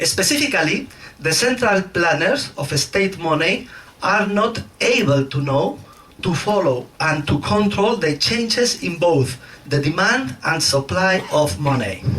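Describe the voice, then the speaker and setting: A man with a Spanish accent, high in pitch with very wide pitch swings, at a fairly slow pace and very even loudness, amid noticeable background noise and audible room echo. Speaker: economics professor. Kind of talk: lecture.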